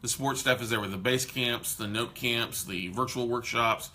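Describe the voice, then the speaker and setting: A man hosting a casual live stream, talking in an energetic, motivational way with a loud voice. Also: medium pitch, normal speed, slight background noise. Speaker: host.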